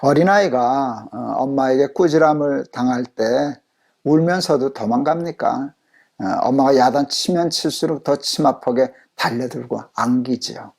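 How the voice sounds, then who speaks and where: A man's voice: medium pitch, moderate pace, vocal fry, a little mellow. A middle-aged man from Korea, a pastor preaching an earnest sermon and acting out pleading prayers.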